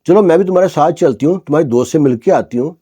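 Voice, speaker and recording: A stern, suspicious mother-in-law, put on by a male storyteller lifts her voice higher and probes with pointed questions. The tone stays mellow and dark underneath as she scolds. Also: slightly rough. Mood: probing. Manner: probing, scolding.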